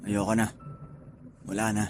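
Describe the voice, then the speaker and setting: A man playing a hurt, soft-hearted groom in an emotional radio romance drama. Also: fairly low pitch, flat delivery, normal speed, slight background noise, close to an everyday voice. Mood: subdued, reluctant. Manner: earnest, emotional.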